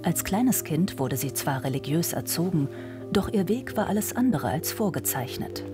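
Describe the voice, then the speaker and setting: Calm, low-pitched woman narrator. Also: normal speed, over loud music. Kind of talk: scripted documentary narration.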